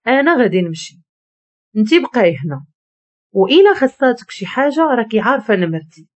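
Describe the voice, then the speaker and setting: A man's voice: very high-pitched, very animated, a little fast, heavily acted. Woman putting on a cold, curt Moroccan man. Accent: Moroccan Arabic. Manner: cold and sharp. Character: cold, curt young man speaking harshly.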